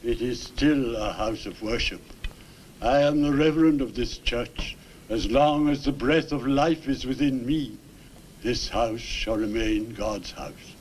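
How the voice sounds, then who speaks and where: A man's voice: mid-range voice, unhurried, a little mellow, lightly acted. An actor playing a grave, embittered older male reverend in a 1960s horror film, declaiming solemnly. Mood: stern, proud. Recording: noisy old film soundtrack.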